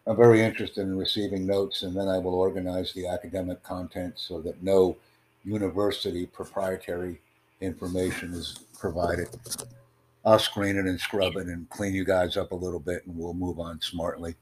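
Deep-voiced man, formal and promotional. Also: little pitch movement, slight background noise, poor audio. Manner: formal, promotional, measured delivery. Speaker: host of online conversation. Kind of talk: casual online chat. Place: in the United States. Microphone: online voice chat.

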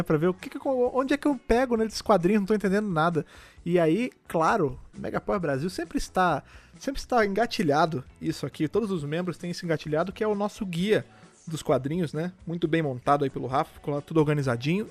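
A man's voice: high-pitched, expressive. A Brazilian man co-hosting a podcast, chatting enthusiastically and peppering his talk with slang fillers. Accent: Brazilian Portuguese. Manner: fast, enthusiastic, peppered with "cara". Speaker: podcast co-host. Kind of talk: casual podcast chat.

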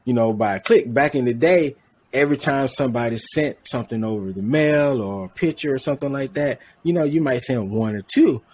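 A man's voice: medium pitch, lively intonation, fairly quick, darkish tone, husky. A man co-hosting a podcast in casual chat, rambling and correcting his own slips with a laugh. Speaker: podcast co-host.

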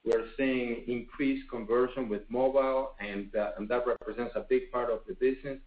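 A man speaking as a company executive, answering off the cuff on an earnings call, halting and full of fillers and pauses. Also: mid-range voice, fairly even intonation. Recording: phone-like, echoey conference line.

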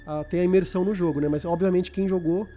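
A man's voice: high voice, steady tone, quick pace, dark tone, soft background music. A man with a Brazilian Portuguese accent explaining a video game in casual, informal podcast talk, repeating words as he goes.

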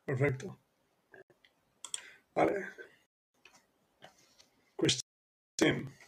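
A man whose first language is Spanish hosts a live Q&A, his voice on the high side, creaky and slightly rough. He thinks aloud with many restarts and fillers, checking in with his listeners.

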